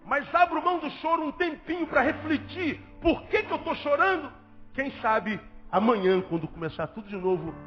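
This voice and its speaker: A man's voice: extremely high pitch, lively intonation, moderate pace. A Brazilian man preaching a sermon as pastor, emphatic and repetitive, firing rhetorical questions at the congregation. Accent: Brazilian Portuguese. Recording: dull lo-fi audio with faint music.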